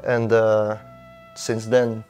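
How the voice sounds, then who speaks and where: A man's voice: fairly low pitch, completely flat delivery, extremely slow, darkish tone, faint music behind. A young man from the Netherlands with a Dutch accent, a guest in a casual interview, speaking in a laid-back, hesitant way. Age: young adult. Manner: laid-back, hesitant with many ums and uhs. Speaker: guest footballer.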